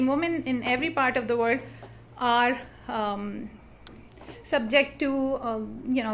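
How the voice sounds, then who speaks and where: A woman's voice: high voice, fairly bright tone, slight background noise. A middle-aged woman from Pakistan, a native Urdu speaker with a Pakistani accent, speaking earnestly on a symposium panel with many fillers and restarts. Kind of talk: panel talk at an interfaith symposium. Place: church hall.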